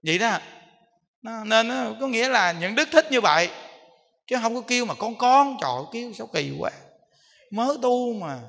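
A man preaches as a monk, his voice high and bright as it rings through a long reverberant hall. He talks to his listeners in an easy way and keeps asking them rhetorical questions. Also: sing-song, moderate pace, pauses often. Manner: conversational, rhetorical questions to the audience. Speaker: Buddhist monk giving a dharma talk. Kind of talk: sermon to lay followers. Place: temple hall.

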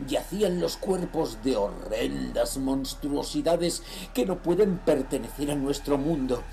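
An actor playing a greedy, ruthless nineteenth-century sea trader, reading his journal in a measured, solemn and theatrical way for a horror audio drama. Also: medium pitch, gravelly, mellow. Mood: desolate, disturbed.

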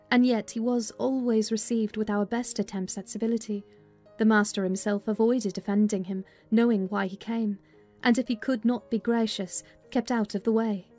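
A woman playing a plain-spoken housekeeper, recounting family history in a measured dramatized literary reading. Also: medium pitch, dark tone, lightly acted. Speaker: audiobook narrator. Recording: music bed behind voice.

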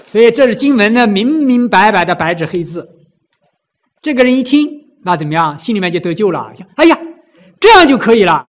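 A man with a high, lively voice preaches a Buddhist sermon. He swoops up and down through his range, fires rhetorical questions at the listeners and acts out people crying out in pain. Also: fairly quick.

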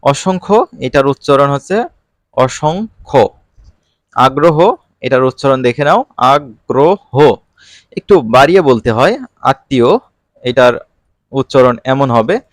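A man tutoring students online in a relaxed, colloquial way, reading out exercises and answers with frequent fillers. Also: medium pitch, moderate pace, no echo, studio quality. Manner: casual colloquial teaching with fillers. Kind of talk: exam-prep lesson.

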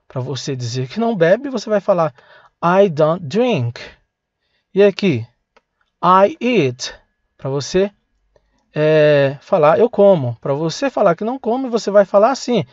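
A man with a Brazilian Portuguese accent teaching English to beginners, saying words slowly and having learners repeat them. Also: high-pitched, no room sound, muffled recording. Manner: slow, drilling words for learners to repeat, breaks in to grab his pen. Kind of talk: language lesson for beginners.

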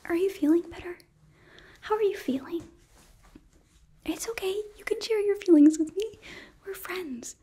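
A young woman playing an eager, apologetic demon princess who runs a hotel, gently whispering in an ASMR roleplay with a hesitant manner. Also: very high-pitched, normal speed, pauses often. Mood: anxious, eager. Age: young adult. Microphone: close microphone, seated before camera.

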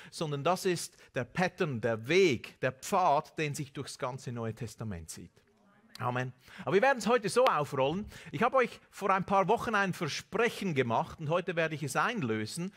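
A man in his forties delivers a sermon from a large church stage, his voice sitting a little high. He preaches with animated emphasis and sprinkles in Amen and Hallelujah as he goes. The sound comes through a headset microphone. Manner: animated preaching with Amen and Hallelujah interjections, mixing in English words. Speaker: pastor. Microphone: headset mic.

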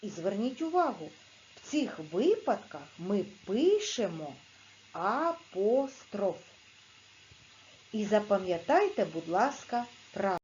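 A woman teaching a video lesson to young pupils, speaking clearly and patiently and sounding out letters and syllables. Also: medium pitch, very animated, a little mellow, highs cut off, a little hiss or hum. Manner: slow, clear, patient dictation-like instruction. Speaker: primary school teacher.

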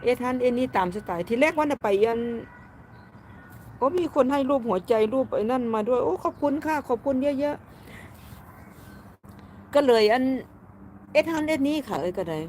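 A woman's voice: high-pitched, expressive, moderate pace, long pauses, a little mellow, slight background noise. Chatty woman with an Isan Thai accent. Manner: chatty, laughs often, reads out viewer comments. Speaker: vlogger chatting with live viewers. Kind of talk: casual live-stream chat. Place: home garden outdoors.

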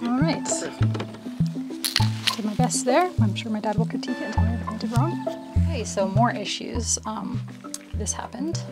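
A woman's voice: a little high, animated, moderate pace, long pauses, loud music behind the voice. A young woman talking casually and self-mockingly to her viewers while working on a camper, outdoors and inside it, into a clip-on mic. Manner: chatty, self-mocking, laughs often. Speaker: vlogger. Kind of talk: casual DIY vlog. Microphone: clip-on mic held to the mouth.

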